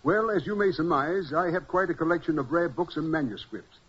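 Husky, high-pitched anxious gentleman client. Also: brisk. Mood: formal. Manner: formal, hesitant, fussy. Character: anxious, courteous gentleman book collector. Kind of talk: 1940s radio drama acting. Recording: muffled vintage 1940s radio recording.

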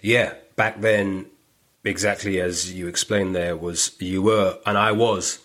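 Deep husky london guy, middle-aged comic chatting on a podcast, gets animated telling stories. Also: slow. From northwest London. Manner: animated storytelling, acts out quoted voices. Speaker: stand-up comedian guest. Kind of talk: casual podcast conversation.

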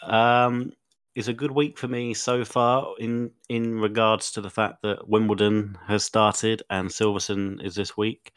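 Podcast guy, bit sniffly, rambles and ums a lot, low-ish voice. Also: flat delivery, measured pace, clear, resonant tone, no room sound, studio quality. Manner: rambling, chatty storytelling with many fillers. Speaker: podcast co-host. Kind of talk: casual chat.

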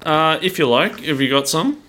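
A man's voice: on the high side, animated, normal speed, sharp tone. A man co-hosting a podcast in casual comedic banter, with a wry, rambling manner. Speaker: podcast co-host.

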